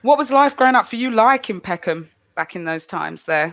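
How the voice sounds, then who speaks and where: A woman's voice: on the high side, lively intonation, fairly quick, highs cut off. A woman hosting a chat in a casual, conversational way. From Croydon, south London. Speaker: interview host.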